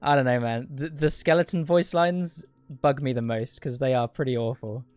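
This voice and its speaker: A man's voice: medium pitch, moderate pace, darkish tone, no room sound. A man giving casual livestream speedrun commentary in a dry, rambling, sweary way. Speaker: video game speedrunner and streamer. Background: game music.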